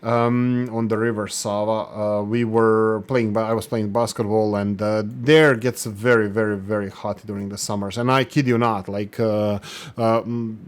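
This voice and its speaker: A man's voice: fairly low pitch, little pitch movement, moderate pace. A man from Croatia commenting casually over his own gameplay, rambling with many fillers and restarts, self-deprecating. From Croatia (Slavonia). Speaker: gaming channel host. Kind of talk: casual let's play commentary.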